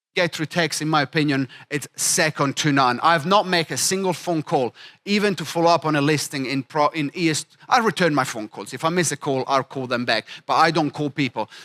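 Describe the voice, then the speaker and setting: Speaking at a fairly quick pace with a non-native accent, a man uses a bright, sharp tone and a fairly high pitch. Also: ordinary pitch variation, dry, close sound with no echo. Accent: foreign. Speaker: real estate agent, conference speaker. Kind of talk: conference presentation. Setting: stage with audience.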